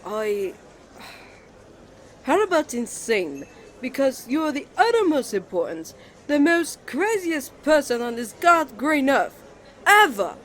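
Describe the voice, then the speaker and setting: Man acting as high, flustered hot-tempered twin brother. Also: slow pace, slight background noise, exaggerated voice. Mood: exasperated. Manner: stammering, indignant, excitable. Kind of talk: romantic ASMR roleplay acting.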